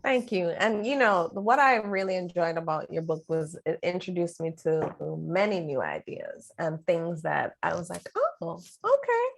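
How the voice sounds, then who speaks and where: A woman's voice: lowish voice, big pitch swings, normal speed, creaky, hardly any pauses. A woman interviewer in a conversational public talk, speaking reflectively and appreciatively as she feels out questions.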